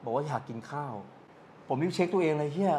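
A man's voice: fairly high pitch, lively intonation, quick pace, a little mellow, slight background noise. A man animatedly retelling a spooky experience in casual talk, with vivid sound effects. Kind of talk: casual storytelling.

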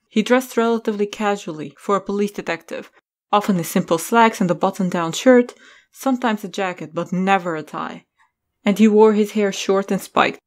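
Female narrator for audio drama, scripted prose reading, medium pitch.

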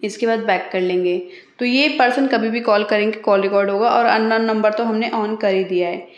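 A woman's voice: mid-range voice, fairly even intonation, moderate pace, dull audio. A woman hosting a step-by-step phone tutorial, talking in an instructional way as she demonstrates. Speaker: host of phone tutorial videos. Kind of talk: step-by-step tech tutorial narration. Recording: roomy, echoey voice recording.

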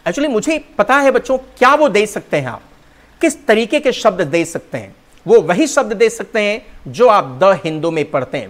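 A male teacher with a fairly high-pitched voice explains English vocabulary and spelling in Hindi, addressing his students as "children" and spelling words letter by letter.

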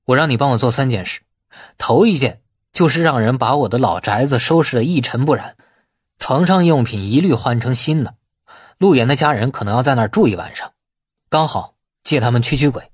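A shrewd, bossy man, acted out by a male narrator in an audiobook drama. His voice is husky and lively in pitch, brisk and persuasive, recorded very dry. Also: no echo. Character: shrewd, bossy man giving orders by phone.

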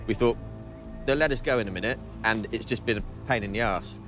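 A New Zealand man recounts his trip in a relaxed, matter-of-fact way. His voice sits low and steady. Faint music plays underneath. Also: fairly quick. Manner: easygoing, plain-spoken storyteller. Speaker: interviewee. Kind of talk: casual interview. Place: outdoors by a harbour.

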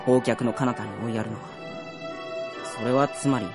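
An actor playing a gentle young fallen soldier in a radio drama, speaking politely and earnestly. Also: male voice, medium pitch, steady tone, normal speed, close to an everyday voice. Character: gentle, earnest dead young male soldier, now a spirit. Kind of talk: Japanese radio drama acting. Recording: music behind the voice.

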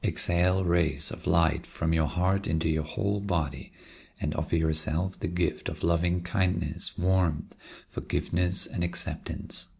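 A man with a low, husky voice leads a guided meditation. He speaks gently and calmly, leaving long pauses between short instructions. His tone often crackles with vocal fry. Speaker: meditation teacher. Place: quiet room.

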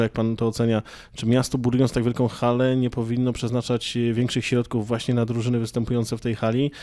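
A young male reporter asks pointed, persistent questions in a small office. His voice is flat and even, with a darker, mellow tone. He speaks into a handheld mic. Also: mid-range voice. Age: young adult. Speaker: radio reporter. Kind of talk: interview questions.

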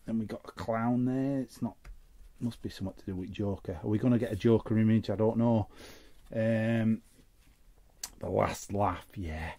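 A man's voice: fairly low pitch, vocal fry, darkish tone. A man giving casual, chatty unboxing commentary as host, muttering and repeating short phrases to himself. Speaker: host of a trading card opening show.

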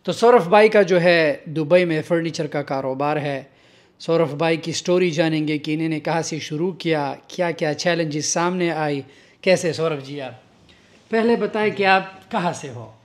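A man's voice: a little high, normal speed. A man in his thirties from Pakistan hosting a casual interview, joking and mixing in English words. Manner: joking, mixes English into Urdu-Hindi. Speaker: host. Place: indoor furniture warehouse showroom.

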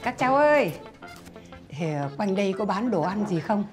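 Actress as bossy old grandmother, swooping pitch, exclaiming and scolding. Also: very animated, moderate pace, faint music behind, close to an everyday voice. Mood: indignant. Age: older. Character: stubborn, bossy old grandmother hiding in a hotel. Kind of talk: TV drama acting.

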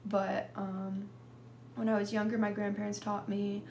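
A woman's voice: medium pitch, flat delivery, a little slow, creaky, darkish tone, roomy sound, slight background noise. A young woman from California chatting casually and sleepily with viewers on a phone livestream. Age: young adult. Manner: casual, drowsy, answers viewers in short bits. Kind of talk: live stream chat reading comments. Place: small room indoors. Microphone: phone held close to face.

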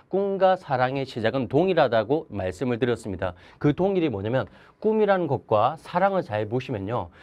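An earnest man in his thirties gives a motivational talk to students, speaking with emphasis. His voice sits at an ordinary middle pitch. He moves about at a chalkboard as he talks, and a lapel mic picks him up cleanly in a studio. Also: darkish tone. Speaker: mind coach teacher.

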